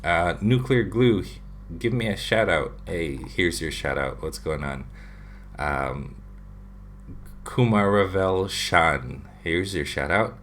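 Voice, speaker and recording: A man in his thirties from the Philippines hosts a casual livestream for his drawing channel from a home room lined with shelves of figures, using a desk webcam. He reads viewer questions aloud and answers them chattily with many fillers, in a low, slightly bright voice that is animated yet slow, with slight background noise.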